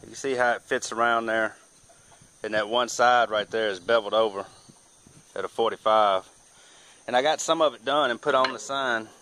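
A man's voice: medium pitch, pushed and bright. A man, casually narrating his own woodworking project in a plainspoken, self-deprecating, rambling way. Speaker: hobby welder and woodworker. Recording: noisy outdoor recording with air conditioning and traffic hum.

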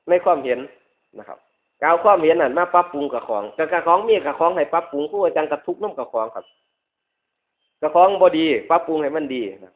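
A man with a northeastern Thai Isan accent giving a Buddhist sermon as a monk, repeating points emphatically with polite phrase endings. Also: on the high side. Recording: dull lo-fi radio-like recording.

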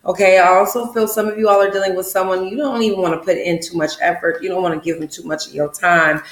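A woman's voice: lowish voice, fairly even intonation, fast talker, echoey room, low-quality recording. Casual, profane woman reading tarot. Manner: casual and profane, frequent "okay?" check-ins. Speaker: tarot reader.

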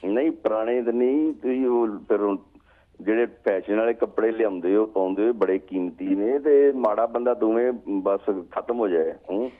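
A man's voice: lowish voice, normal speed. A man calling in to a chat show, joking and repeating himself, often ending with a questioning "huh?". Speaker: regular phone-in caller. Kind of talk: casual chat. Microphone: telephone. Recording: tinny phone line.

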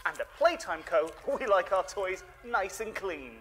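A high-pitched, relentlessly chipper safety-video presenter from the nineties. He lilts like a children's show host with something sinister underneath, over faint music. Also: lively intonation, measured pace, a bit bright. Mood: perky, officious. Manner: exaggerated perky, singsong, enunciated. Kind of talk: scripted children's-show style corporate training video acting.

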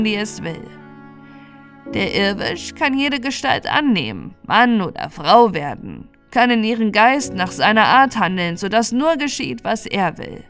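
A talkative old bog witch, played by a female narrator holds forth in a storybook tale. She is ominous and deliberate, with a dramatic turn to her telling. The voice sits at a medium pitch, with music playing underneath. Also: fairly bright tone. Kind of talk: fairy-tale audiobook character narration.

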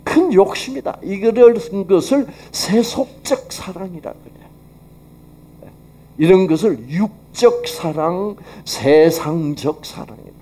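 Slow, animated male seminar lecturer. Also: high-pitched, husky. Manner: conversational, poses rhetorical questions to the audience; acts out quoted dialogue. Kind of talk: lecture with Bible teaching.

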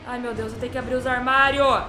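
A woman's voice: on the high side, steady tone, fast, reverberant, over music. A young Brazilian woman commentating on a horror game as a scared streamer, exclaiming and repeating herself in panic. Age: young adult. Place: small home room, indoors.

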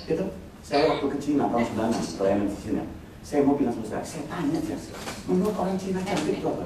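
A man's voice: medium pitch, expressive, racing. A middle-aged man preaching a humorous sermon, telling stories, laughing often and talking straight to the congregation. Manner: jokey, laughing often, addresses the congregation directly. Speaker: pastor. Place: church hall at a revival meeting. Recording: very echoey hall, voice from far off, congregation audible. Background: congregation noise and laughter.

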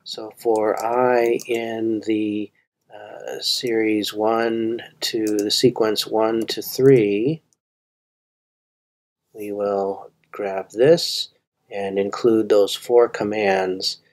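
A man's voice: fairly low pitch, fairly even intonation, extremely slow, a little mellow. A man walking through a coding puzzle on screen, thinking aloud with fillers and restarts. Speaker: coding tutor. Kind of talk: screen-recorded coding walkthrough.

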